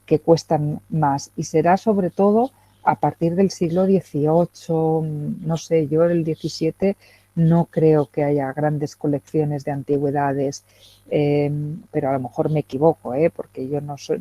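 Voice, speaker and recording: A middle-aged guest lecturer whose first language is Spanish gives an academic lecture in a low, dark-toned voice. She talks hesitantly, using many fillers and checking for questions. The audio comes over a video call and sounds dull and lo-fi, with no echo.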